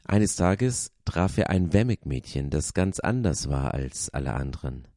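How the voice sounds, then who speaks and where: A man with a low, mellow voice reads a children's story aloud. He tells it expressively, as a pastor would to listeners. The recording is close and dry. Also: lively intonation, measured pace, dry recording.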